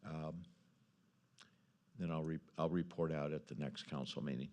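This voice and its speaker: A man speaking as a city council member, giving an informal update in a low-key, halting way. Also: steady tone, darkish tone.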